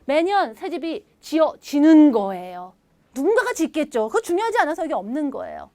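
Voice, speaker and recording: A high-pitched woman delivers an English grammar lesson with animated energy, coaxing students to repeat sentences after her. The sound is dry and close, with no room behind it. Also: a little fast, no room sound. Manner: lively, animated, leads repeat-after-me drills; acts out little dialogue lines in playful voices. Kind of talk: recorded video lecture.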